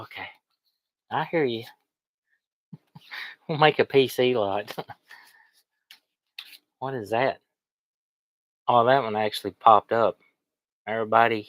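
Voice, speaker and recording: An online reseller with a cold, sniffling as he goes, shows items to viewers on a casual livestream and chats in a rambling, folksy way. His voice is medium-pitched, with no room sound.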